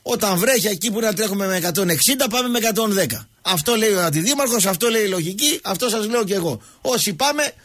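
A man hosting a radio show, telling jokey stories and talking with callers in an animated way. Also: sits high, hardly any pauses, no echo, clean studio sound. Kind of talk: casual radio talk.

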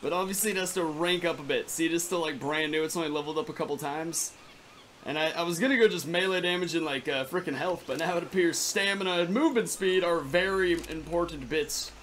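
A young man from California with a raspy, sore throat, giving excitable, foul-mouthed gameplay commentary. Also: on the high side, brisk, slight background noise. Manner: excitable, swears freely. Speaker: gaming YouTuber.

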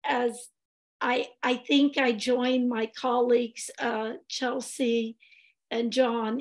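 A woman's voice: fairly high pitch, a little mellow. A woman in her sixties who is losing her voice, talking earnestly through a public meeting on a video call from home, with many fillers and restarts. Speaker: board chair. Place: home room, indoors.

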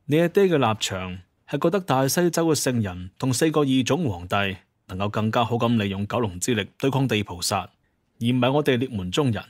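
A man playing a level-headed master hunter and clan leader in an audio drama, speaking in a measured, explanatory way. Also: mid-range voice, expressive, dry recording, studio quality, natural voice. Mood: calm, reasoning.

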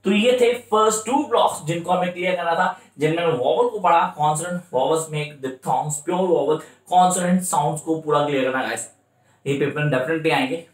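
A man tutoring students for an exam, switching between Hindi and English with an Indian accent and repeating his points step by step. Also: a little high. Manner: repetitive, coaching, slows right down for English phrases. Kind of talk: exam-prep lecture in mixed Hindi and English. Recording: echoey room.

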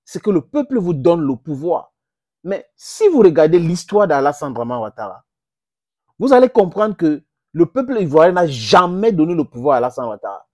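A middle-aged man whose first language is English, giving impassioned direct-to-camera political commentary on a lapel mic, with sudden jumps in pitch for emphasis. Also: very animated, normal speed, dry recording, clean studio sound. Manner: impassioned, gesturing, addresses viewers as friends, pitch jumps for emphasis. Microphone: clip-on lapel mic.

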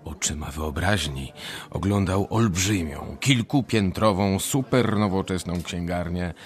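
A man narrating a scripted story for a radio drama in a husky voice. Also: deep voice, measured pace.

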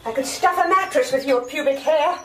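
A woman's voice: sits high, a little fast, lightly acted. A middle-aged actress playing a long-suffering wife who scolds her husband with exasperated sarcasm in a sitcom. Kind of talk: sitcom acting. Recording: noisy old TV broadcast audio.

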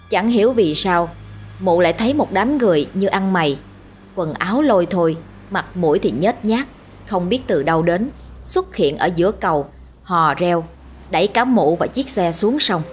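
A woman narrating a scripted village ghost story in a steady, measured way. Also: fairly low pitch.

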